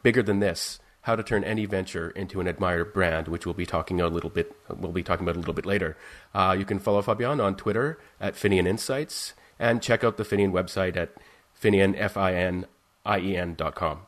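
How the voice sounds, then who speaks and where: A man hosting a podcast interview, asking questions in a measured way with frequent filler sounds. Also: sits low. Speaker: podcast host.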